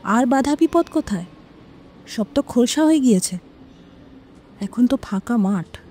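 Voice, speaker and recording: A woman's voice: fairly high pitch, lively intonation, unhurried, mellow, slight background noise. An actress playing an impatient, determined woman in an audio drama, pressing her lover in an insistent, dismissive way. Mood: teasing. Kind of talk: Bengali audio drama dialogue. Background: dramatic music.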